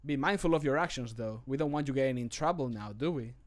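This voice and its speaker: A man, a native Spanish speaker, voicing a scolding, stern city guard for a fantasy game in a deliberate, warning manner. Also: mid-range voice, lightly acted.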